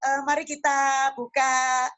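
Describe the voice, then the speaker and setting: A woman's voice: high voice, flat delivery, takes it slowly, noisy background. A woman giving an online class lecture to teachers, chatty and emphatic, speaking into a phone. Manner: chatty, emphatic, tags phrases with "loh ya". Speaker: guest lecturer.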